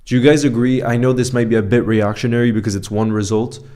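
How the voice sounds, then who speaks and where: A man's voice: mid-range voice, level tone, quick pace, dark tone. A man chatting casually on a football live stream, reading viewer comments aloud and greeting people by name, often repeating himself. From mixed French and Icelandic background.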